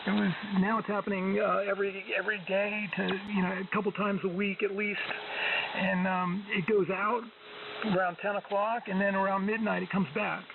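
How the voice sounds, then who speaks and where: High-pitched man on tinny ham radio. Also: flat delivery, moderate pace, gravelly. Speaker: amateur radio operator. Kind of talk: casual on-air radio chat. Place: amateur radio transmission on 40 meters. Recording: tinny narrow-band shortwave radio, noisy static.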